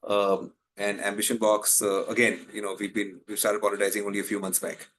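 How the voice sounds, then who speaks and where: A man's voice: lowish voice, flat delivery, fairly quick, fairly bright tone, a little hiss or hum. A man with an Indian accent giving unscripted executive answers on an earnings call, rephrasing as he explains and tagging points with "right?". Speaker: company executive answering analysts.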